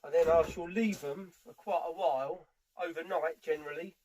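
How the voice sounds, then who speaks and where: A man's voice: a little high, fairly even intonation, moderate pace, darkish tone, dull audio, slight background noise. A British man giving a casual, hands-on tutorial, explaining each step informally as he works. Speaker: furniture polisher giving a how-to demonstration. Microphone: camera mic on a tripod, at varying distance.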